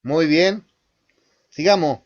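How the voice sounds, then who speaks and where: A man's voice: fairly high pitch, slow, dull audio. A man, a pastor guiding an online Bible study by asking short questions and affirming answers. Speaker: pastor leading a Bible class.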